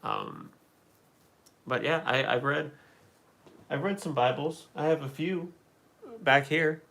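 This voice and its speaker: A man's voice: on the high side, very animated, slow pace, creaky, a bit bright. A man hosting a livestream, chatting casually and answering comments, rambling with many fillers and restarts. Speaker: livestream host answering chat.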